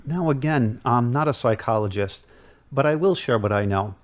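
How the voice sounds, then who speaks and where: A man acting a calm, measured counseling Catholic priest in an audio drama. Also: medium pitch, natural voice. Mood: calm, advisory.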